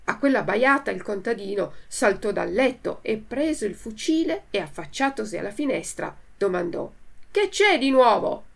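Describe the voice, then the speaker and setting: A woman teacher reading a children's classic slowly and deliberately, then going through a vocabulary list word by word. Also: medium pitch, animated, vocal fry. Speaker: language teacher reading aloud.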